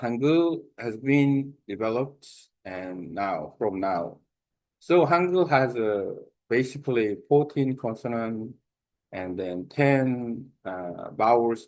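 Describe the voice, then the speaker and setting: A man with a Korean accent, a native Korean speaker, giving an informal spoken lesson on language learning, halting with many fillers and restarts. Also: mid-range voice, expressive, darkish tone, poor audio. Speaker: language exchange host.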